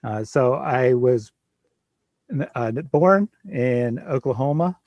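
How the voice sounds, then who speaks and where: A man of forty hosts a casual livestream in an easy, chatty way and laughs now and then. His voice sits at an ordinary middle pitch. The sound is dry and close, with no room around it. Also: slow, dry recording, lo-fi sound. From Midwest United States. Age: 40s. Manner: relaxed, chatty, laughs often. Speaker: livestream host.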